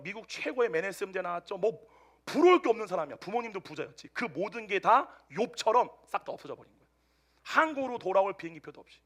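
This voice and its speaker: Male preacher, Sunday sermon, high and bright, storyteller who veers between loud and hushed. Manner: animated storytelling, swinging between loud outbursts and hushed asides. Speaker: pastor. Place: church service with a congregation answering amen.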